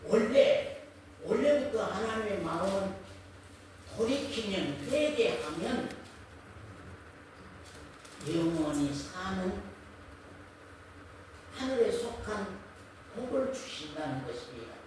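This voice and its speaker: A man's voice: high voice, very animated, takes it slowly, pauses often, a little mellow, a little hiss or hum. A male pastor preaching to his congregation, repeating key phrases with emphasis and asking the listeners questions. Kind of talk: sermon to a congregation. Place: church sanctuary. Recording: echoey hall, mic far off.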